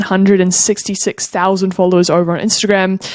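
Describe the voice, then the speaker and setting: At a fairly quick pace, a woman with a New Zealand accent speaks in a medium pitch. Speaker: marketing agency owner. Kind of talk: tutorial. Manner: fast.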